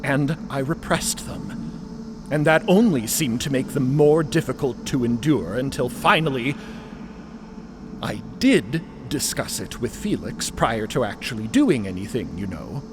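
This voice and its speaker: Earnest man, slow and expressive. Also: mid-range voice. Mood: pained, candid. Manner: clear, assured, deliberate. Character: earnest, newly self-aware man asserting his own life. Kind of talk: audio drama acting. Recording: noisy ambient sound bed behind voice.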